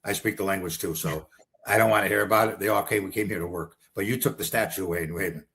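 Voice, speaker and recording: Man, political candidate, low-pitched and fast, combative and blunt in an interview. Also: fairly bright tone. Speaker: congressional candidate.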